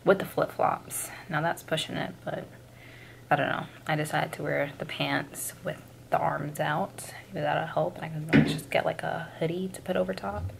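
A young woman with a raspy morning voice, chatting casually to her camera from a hotel room. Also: low voice, flat delivery, normal speed, background noise. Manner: chatty, filler-heavy, rambling. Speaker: vlogger. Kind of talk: casual vlog chat.

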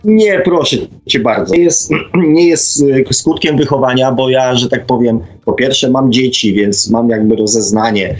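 A man's voice: mid-range voice, a little slow, rough recording. A man in a casual debate, speaking emphatically and often checking for agreement with short tag questions. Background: faint music.

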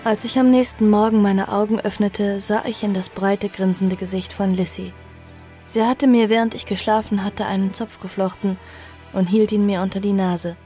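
An actress playing an earnest, cautious girl who recounts her story in a horror audio drama, measured and reflective. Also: mid-range voice, steady tone, dark tone, close to an everyday voice. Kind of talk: audio drama narration and dialogue. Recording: music behind the voice.

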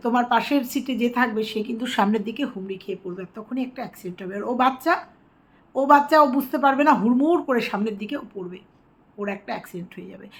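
A woman vlogger talking casually to her viewers, repeating her points as she gives advice. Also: on the high side.

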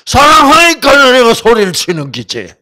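A blustering middle-aged husband, as a lecturer puts him on, barking in a thick Gyeongsang accent. The voice jumps well above the man's own and comes out loud and scolding. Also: fairly high pitch, steady tone, slow pace, smooth, voice pushed up. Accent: Gyeongsang Korean. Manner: shouting, scolding.

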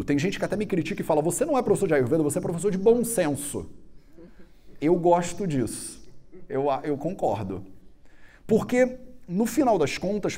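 A man, giving a joking, animated public talk on a stage into a handheld microphone. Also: on the high side. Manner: animated, joking, gestures a lot. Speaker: Ayurveda speaker giving a talk. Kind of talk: lively informal public talk. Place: stage in a large indoor hall.

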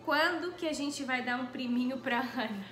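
A young woman with a Brazilian accent reads questions in casual chat. Her voice is bright and somewhat high, and she takes her time. It echoes in the room with faint background noise. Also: moderate pace. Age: young adult. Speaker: interviewer reading viewers' questions. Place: small living room, on a couch.

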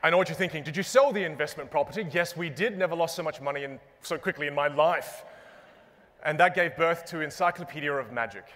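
Animated young man giving a stage keynote. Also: a little high, a little fast, a little hiss or hum. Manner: animated, punchline-driven, self-mocking. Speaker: keynote speaker and magician. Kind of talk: comedic keynote speech. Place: large conference stage before a live audience. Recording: long reverb of a big hall.

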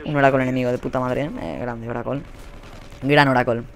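A young man with a Spanish accent commentating his own shooter gameplay, swearing a lot and quick to burst into angry shouts. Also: mid-range voice, flat delivery. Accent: Spanish from Spain. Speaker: gaming commentator. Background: faint gunfire from the game.

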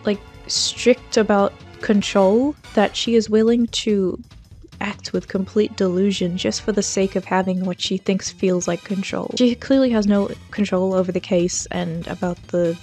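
A woman's voice: medium pitch, steady tone, a little slow, darkish tone, soft background music. A woman giving casual, chatty commentary on a case, with a close voice-over mic. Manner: chatty, frequent "like" fillers. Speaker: true-crime commentary YouTuber.

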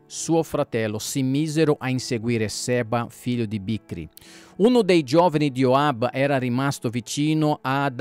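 A male pastor reading the Bible aloud at a steady pace, sometimes stumbling over names and correcting himself. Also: mid-range voice, clean tone.

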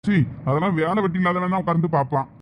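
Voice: medium pitch, very fast, dull audio, a little hiss or hum, voice pushed down, close to an everyday voice. A performer voicing a blunt, scornful young village man in a comedy skit. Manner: scornful, bossy.

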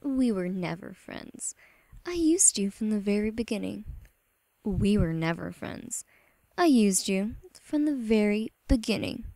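A woman's voice: medium pitch, animated, unhurried, gravelly, mellow, dry recording, voice pushed down. A woman voicing a cold, treacherous girl rival in an anime-style audition. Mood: cold, scornful.

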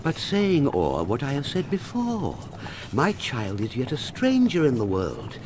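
A man's voice: medium pitch, wildly swooping pitch, a little slow. An actor playing a dignified, protective old nobleman and father, with a British accent in a Shakespearean radio drama. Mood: cautious. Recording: noisy outdoor street ambience.

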